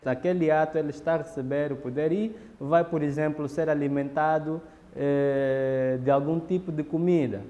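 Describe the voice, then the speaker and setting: A man's voice: on the high side, steady tone, moderate pace, warm tone, lo-fi sound. Man explaining in a roomy hall. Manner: lecturing, explanatory, frequent tag questions. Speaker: interviewee explaining ritual tradition. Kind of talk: documentary interview. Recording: roomy echo with long reverb.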